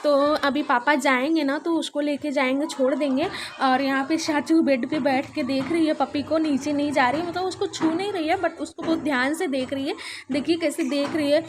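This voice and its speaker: A woman's voice: high voice, fairly even intonation, normal speed, noisy background. A young woman chatting casually through a family vlog at home, explaining at length with lots of fillers. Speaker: family vlogger and mother. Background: music and prayer sounds nearby.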